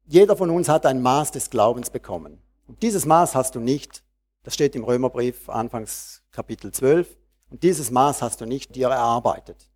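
A man preaching a sermon, reading Bible verses slowly and then speaking freely and directly to his congregation. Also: medium pitch, darkish tone.

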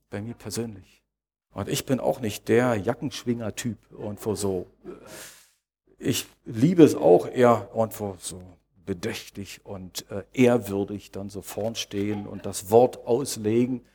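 A man preaching a sermon as pastor of his congregation, measured, with rhetorical questions and repeated phrases. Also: on the low side, mellow, husky.

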